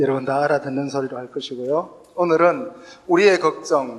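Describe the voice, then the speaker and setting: Noticeable background noise and audible room echo both come through in this clip. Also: man. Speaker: guest pastor. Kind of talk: sermon.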